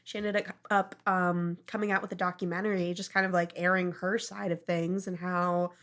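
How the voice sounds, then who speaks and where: A woman's voice: on the low side, little pitch movement, moderate pace, fairly bright tone. A woman co-hosting a podcast, chatting casually and jokily as she retells a story. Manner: informal and jokey, often laughing. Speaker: podcast co-host. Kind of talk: casual chat, retelling a true-crime case.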